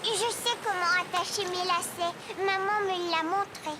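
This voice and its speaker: A woman voicing Caillou, a cheerful, curious four-year-old boy in a cartoon, with childlike excited exclamations. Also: very high voice, unhurried, background noise. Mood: thoughtful. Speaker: cartoon character. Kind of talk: animated series dubbing.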